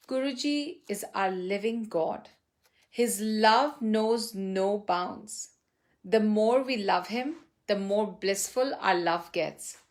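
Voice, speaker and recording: A woman reading a written devotional testimonial aloud in a reverent, measured way, phrase by phrase with pauses. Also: medium pitch.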